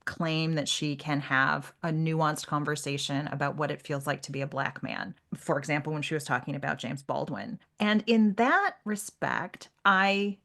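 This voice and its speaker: A woman's voice: deep voice, moderate pace, gravelly, hardly any pauses, fairly bright tone. A woman co-hosting a podcast in a casual literary discussion. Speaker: podcast co-host.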